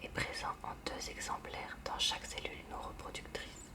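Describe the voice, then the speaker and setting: A woman reading a textbook aloud in a hushed library whisper for ASMR, with short informal asides. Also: normal speed, recorded from a distance.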